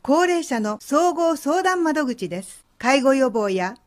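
A woman's voice: high voice, very animated, takes it slowly, heavily acted. A woman acting as a helpful staffer at a community care center in a radio drama, polite and informative. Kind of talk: scripted explanatory dialogue.

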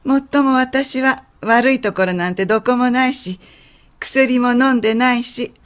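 A woman acting as an elderly mother in a radio drama, brisk and confident at first, then quiet and halting. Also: fairly high pitch, natural voice. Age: older.

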